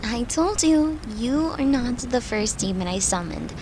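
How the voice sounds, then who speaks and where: A woman playing a gentle, devoted girlfriend who soothes her lover in an intimate comfort roleplay, speaking tenderly and reassuringly in a soft, hushed voice. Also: a little high, expressive, unhurried, background noise. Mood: fond, reassuring.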